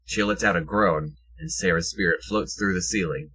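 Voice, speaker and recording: A man's voice: low-pitched, normal speed, sharp tone, slightly rough. A man reading scripted present-tense action narration for an audio drama.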